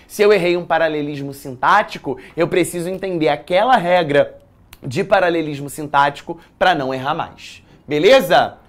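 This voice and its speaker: A man with a Brazilian accent teaching a live online exam-prep writing class from a studio, chatty and lively, quizzing his viewers with slangy asides. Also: on the high side, moderate pace. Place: studio in a commercial building.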